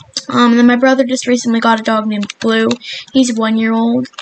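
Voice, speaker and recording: Light background noise sits under a woman's very fast, monotone, flat delivery, which has a dry sound with no echo. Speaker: gamer narrating a game tour. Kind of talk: casual gameplay commentary.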